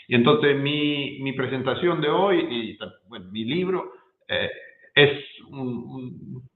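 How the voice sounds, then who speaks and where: A man with an Italian accent, a non-native speaker giving an academic presentation, halting and often repeating words as he searches for them. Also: mid-range voice, expressive. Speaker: guest speaker, professor. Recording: echoey room, muffled lo-fi sound.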